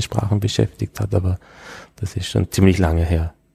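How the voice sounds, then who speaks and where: A man speaks in a dark, mellow tone that is somewhat breathy, with ordinary pitch variation. The sound is dry and close, without echo. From Austria, Tyrol (Innsbruck). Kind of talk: interview. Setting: office.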